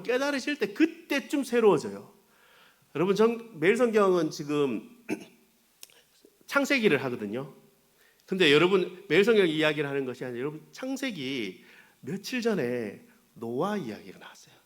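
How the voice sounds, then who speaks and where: A man's voice: a little high, very animated, moderate pace. A man, a pastor, giving a humorous sermon to Sunday school teachers, telling stories with playful asides to the audience.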